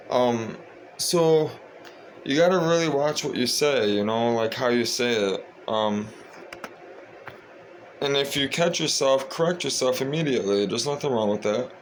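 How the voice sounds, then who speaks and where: A young man talking casually to his viewers at home, sleepy and monotone, rambling with lots of fillers. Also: medium pitch, slight background noise, rough recording. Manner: monotone, meandering, frequent fillers. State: tired, sleepy. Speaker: vlogger.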